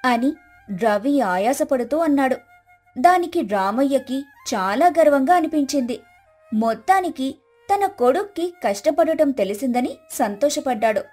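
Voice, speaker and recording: High voiced lady narrating a moral story, bit of music behind. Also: animated, a little slow, a little mellow.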